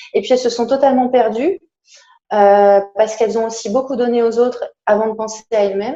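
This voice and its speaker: Speaking at a fairly quick pace, a woman with a fairly high voice and a dark, mellow tone keeps her intonation fairly even. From northern France, Lille area. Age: 30s. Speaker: life coach. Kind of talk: podcast interview. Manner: hesitant, many filler sounds.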